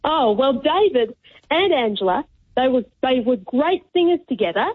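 A woman's voice: high-pitched, very animated, moderate pace, slightly rough. A woman calling a radio show over the phone and reminiscing casually. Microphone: telephone. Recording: thin narrow phone line.

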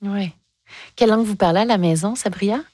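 A woman's voice: mid-range voice, fairly quick, mellow, no room sound. A woman interviewing two young guests, asking follow-up questions and encouraging them. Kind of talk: radio interview.

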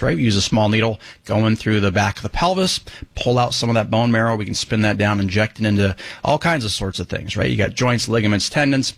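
Male radio co-host, doctor, clear explainer, dry studio mic. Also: mid-range voice, fairly bright tone, no echo. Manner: clear explainer, often adds "right?". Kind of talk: explaining on a radio talk show.

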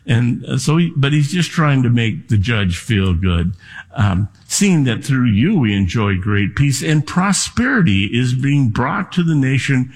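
A man delivering a Sunday sermon as pastor, explaining scripture in a conversational way with frequent pauses and fillers. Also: medium pitch, big pitch swings, a little mellow, slightly rough, long reverb tail. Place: church sanctuary.

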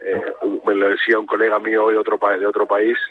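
A man with an Argentine accent, a national hockey coach, speaking calmly and reflectively in a radio phone interview, with many restarts. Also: on the low side, fast, slightly rough, no echo. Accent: Argentine Spanish. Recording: tinny phone line with faint noise.

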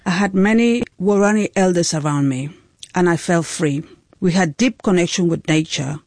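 A woman voicing a translation in the first person, in a gentle, even delivery. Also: on the low side, moderate pace, no room sound, clean studio sound. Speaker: voice-over interpreter.

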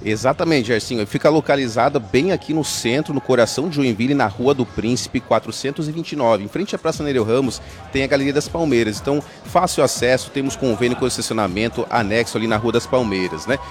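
A man's voice: medium pitch, quick pace, few pauses, faint music behind. A man from Brazil, a game store owner, chatting in an upbeat, salesy way as a guest at an outdoor festival. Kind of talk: casual promotional interview.

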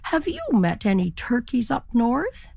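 Woman doing a proud, simple male turkey for a storybook; high, slow and wide-eyed. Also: wildly swooping pitch, gravelly, a little mellow, breathy edge, no echo, full character voice. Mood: earnest. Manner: slow, wondering and pleading.

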